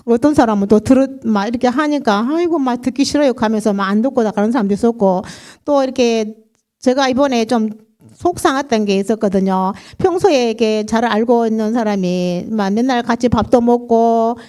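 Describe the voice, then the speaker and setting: A middle-aged woman with a Gyeongsang dialect tells her story to a church congregation, and her voice sits a little higher than most. She talks in a chatty, laughing way and slips into other people's voices as she goes. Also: fairly quick, a little mellow. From Daegu region, South Korea. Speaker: church member giving testimony. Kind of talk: personal testimony to a congregation.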